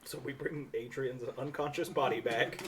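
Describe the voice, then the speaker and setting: A man running a tabletop game, describing a room in a relaxed, wry way. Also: mid-range voice, moderate pace, a little hiss or hum. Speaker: game master.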